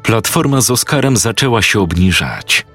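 Deep gravelly male horror narrator. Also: very animated, moderate pace, fairly bright tone. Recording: faint music behind.

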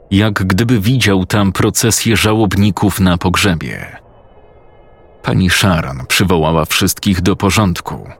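A man reading a creepypasta horror story aloud as narrator, in a measured storytelling delivery. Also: sits low, vocal fry. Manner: measured storytelling delivery, acting out characters' voices.

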